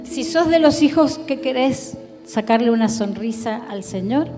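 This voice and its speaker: A woman's voice: a little high, animated, a little slow, mellow, big-room sound, faint music behind. A woman pastor with an Argentine accent, preaching a sermon in an earnest, pleading way, talking straight to the listener. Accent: Argentine Spanish. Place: church hall.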